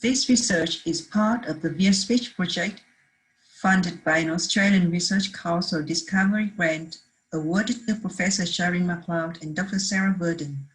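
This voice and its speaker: A woman's voice: fairly low pitch, normal speed, low-quality recording. A woman presenting a research paper at a conference, reading steadily from prepared slides with the odd restart.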